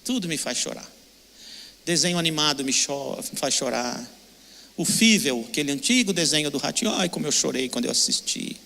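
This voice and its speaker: Emphatic older Brazilian pastor preaching. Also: male voice, on the high side, animated, a little fast, vocal fry, bright, forceful tone, in a large hall. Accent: Brazilian Portuguese. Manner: emotional, emphatic, repeats short phrases. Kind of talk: sermon.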